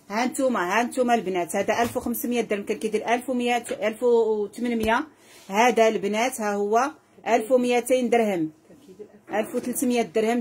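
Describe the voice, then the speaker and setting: A woman with a Moroccan Arabic accent hosting a live jewelry sale, effusive and repetitive, calling out prices and blessings to her viewers. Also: a little high. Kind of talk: live sales pitch.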